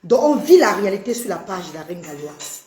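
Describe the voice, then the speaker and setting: A woman's voice: medium pitch, very animated, brisk, dark tone, reverberant. A woman, an autism advocate talking on a live stream, effusively greeting viewers and pleading for shares.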